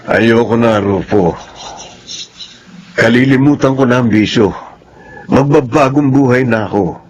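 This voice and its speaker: A man's voice: mid-range voice, unhurried, natural voice. A man playing a remorseful ailing husband. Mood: reflective. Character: repentant sick husband, young adult man. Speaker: narrator of his own story. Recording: dull lo-fi sound with loud music.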